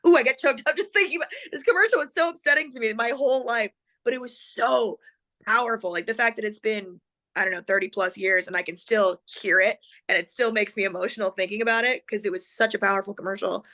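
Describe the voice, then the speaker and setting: A chatty middle-aged woman with a bright, forceful voice, talking casually as an interview guest. She laughs often between thoughts and gets choked up as she remembers. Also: fairly high pitch, quick pace. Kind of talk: casual conversation.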